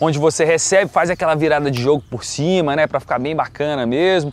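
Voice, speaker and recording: A man's fairly quick speech with ordinary pitch variation, in a dry sound with no echo. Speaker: football coach. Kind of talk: tutorial. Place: stadium. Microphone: lapel.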